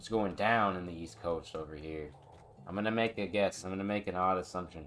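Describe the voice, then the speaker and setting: A man with an American accent, a very deep, low pitch, ordinary pitch variation and a fairly quick pace. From central Massachusetts, US. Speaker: gaming streamer. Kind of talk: casual live stream chat. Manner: casual, with fillers and swearing.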